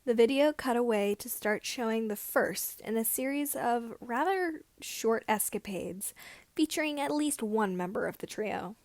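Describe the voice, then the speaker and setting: A woman reading scripted fan fiction as an amateur narrator, with slightly halting phrasing. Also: a little high, a little mellow, no echo.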